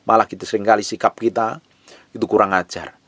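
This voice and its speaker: A man's voice: on the low side, fairly even intonation, quick pace, a bit bright, no room sound. A man preaching a sermon as pastor, blunt and scolding with emphatic delivery.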